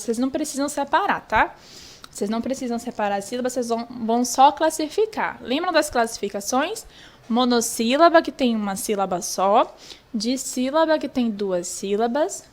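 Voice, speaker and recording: High-voiced woman teacher explaining slowly. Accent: Brazilian Portuguese. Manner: patient, explains slowly and repeats key points to children. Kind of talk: online lesson walking through a worksheet.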